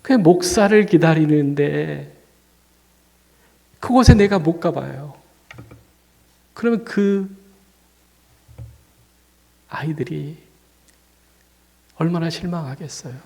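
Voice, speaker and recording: Pastor guy with a cold preaching, kinda high gravelly voice, long church echo. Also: slow, pauses often, a little mellow. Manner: conversational, with rising emphatic peaks on key points. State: fighting a cold and feeling dizzy. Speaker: senior pastor. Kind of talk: storytelling sermon. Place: church sanctuary.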